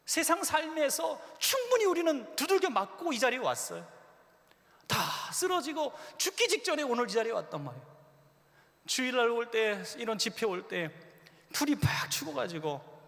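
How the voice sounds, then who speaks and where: A man delivers a revival sermon in a church sanctuary, his raised, gravelly voice rising and falling dramatically. He acts out quoted lines as he tells stories. A long hall reverb trails every phrase. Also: very high voice. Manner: animated storytelling preacher, acts out quoted voices. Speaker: pastor.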